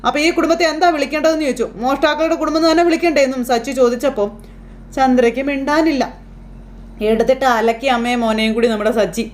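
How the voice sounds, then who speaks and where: A woman recaps a television serial in a chatty, familiar way. Her voice sits high, and she talks at a rapid clip. She slips into the characters' lines as she goes. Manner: chatty, acts out quoted lines in passing. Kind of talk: casual retelling of a TV serial episode.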